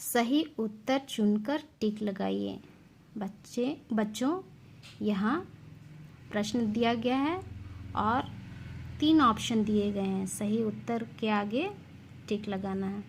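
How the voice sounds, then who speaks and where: A woman teacher reading a children's lesson aloud, sounding out each word slowly and clearly for young pupils. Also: mid-range voice, slight background noise. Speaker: school teacher.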